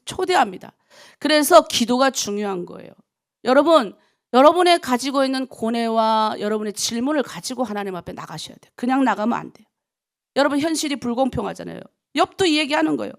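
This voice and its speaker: A woman's voice: high-pitched, lively intonation, fairly quick, creaky. A middle-aged woman pastor from North Korea, preaching a dawn prayer sermon with emphatic rhetorical questions.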